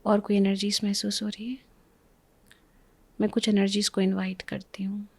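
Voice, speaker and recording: A woman with an Indian accent leads a guided relaxation in a soothing, repetitive, reassuring way, with a breathy voice that often drops to a whisper. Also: medium pitch, completely flat delivery, normal speed, a little mellow, no echo. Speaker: spiritual healer leading a guided relaxation. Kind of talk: guided meditation, hypnotic instruction.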